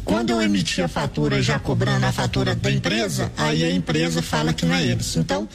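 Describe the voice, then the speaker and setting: A man's voice: fairly high pitch, big pitch swings, quick pace, vocal fry. A man speaking through a voice changer distortion, an anonymous business owner interviewed for a radio news report.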